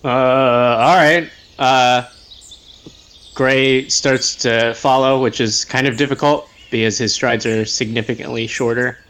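A man player describes his character's move slowly. He hesitates before he starts speaking. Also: medium pitch, fairly even intonation, fairly bright tone, clear, resonant tone.

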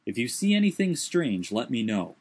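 A man voicing an agitated gentleman who gives urgent commands. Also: medium pitch, big pitch swings, normal speed, slightly rough. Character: agitated, obsessive gentleman giving orders. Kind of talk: audiobook character voice.

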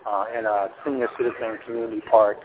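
A man's voice: fairly low pitch, level tone. Rambling older man on a phone line. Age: 60s. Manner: rambling, halting with many fillers and restarts. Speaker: home seller on a phone call. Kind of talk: casual phone conversation. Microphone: telephone.

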